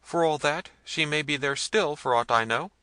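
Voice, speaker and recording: A man's voice: mid-range voice, big pitch swings, moderate pace, pushed and bright, no room sound, clean studio sound, pitched above the performer's own voice. A man voicing a terrified, simple servant in a gothic story, trembling, pleading and rambling deferentially. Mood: fearful, stubborn. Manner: trembling, pleading, long-winded. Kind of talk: dramatised gothic novel reading.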